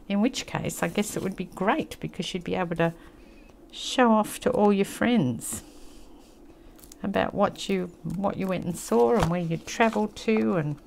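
A woman's voice: fairly low pitch, creaky, darkish tone, slight background noise. An older woman with an Australian accent, chatting casually and reminiscing as she hosts a craft tutorial at a table. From country New South Wales, Australia. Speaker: craft channel host.

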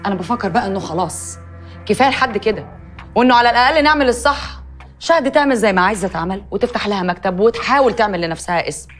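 A woman's voice: medium pitch, lively intonation, racing, soft background music, natural voice. An actress as a stern scolding Egyptian woman. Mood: reproachful. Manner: reproachful. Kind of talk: TV drama acting.

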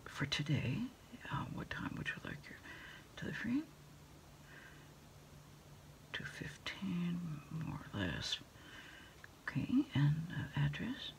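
A middle-aged American woman whispering softly and haltingly in a quiet ASMR roleplay, politely taking orders as if on the phone. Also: fairly low pitch. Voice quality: breathy whisper with fry. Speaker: ASMR performer playing a takeout order taker. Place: small dim indoor desk space.

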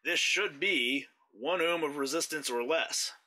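A man's voice: fairly high pitch, measured pace. A man giving a casual hands-on repair tutorial indoors, explaining step by step as he works. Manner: relaxed, explanatory, talks while working. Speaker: mower repair technician.

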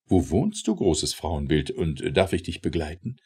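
A man's voice: deep voice, huge pitch swings, a little slow, warm tone, slightly rough, heavily acted. A man voicing an eager, awestruck wandering poet in a verse tale, with an impassioned manner. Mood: awed, curious.

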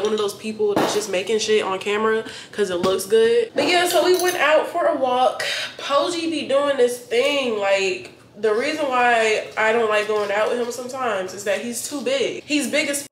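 A woman's voice: on the high side, noisy background. A young adult woman vlogging her day in a casual, blunt, profane way, sounding a bit stuffy in the nose. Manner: blunt, profane, chatty, talks straight to viewers. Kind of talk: casual day-in-the-life vlog. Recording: echoey room with clattering dishes.

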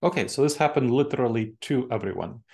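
Man, 40s, eastern european accent, online talk, chatty, middle pitch, video call from a home office. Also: lively intonation, fast talker, gravelly, darkish tone. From Moldova. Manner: chatty, engaged with a live chat, laughs easily. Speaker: speaker. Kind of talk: online presentation to professionals. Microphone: webcam video call with earbuds.

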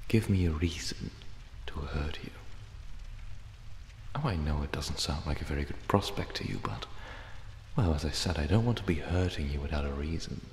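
A man playing a possessive, menacing cat demon in an ASMR roleplay, taunting with mock affection. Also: a bass voice. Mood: teasing, coaxing. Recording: echoey hall reverb, clear background noise. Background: ambient sound effects.

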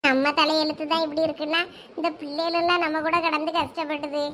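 Woman doing a fed-up village mum, thoothukudi accent, really high bright voice, nags and scolds. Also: little pitch movement, brisk, slight background noise. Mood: worried. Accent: Thoothukudi Tamil. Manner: scolding, complaining. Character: fed-up village mother who left her drunk husband. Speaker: village mother in a family comedy skit.

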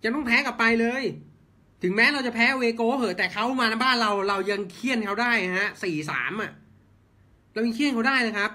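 A man's voice: extremely high pitch, brisk, bright, forceful tone. A man ranting blunt football commentary, heated and swearing, firing off rhetorical questions. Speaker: football fan channel host.

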